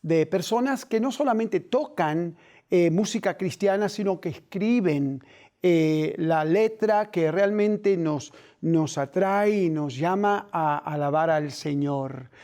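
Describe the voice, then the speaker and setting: Slow mellow guy hosting a christian tv interview, gentle questions, lots of little pauses. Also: high-pitched. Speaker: talk show host.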